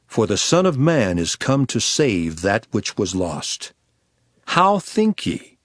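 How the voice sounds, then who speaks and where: A man playing Jesus as a solemn, authoritative teacher in a dramatized Bible reading, speaking in an emphatic, measured way. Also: lowish voice, sing-song, no echo, clean studio sound. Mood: solemn teaching.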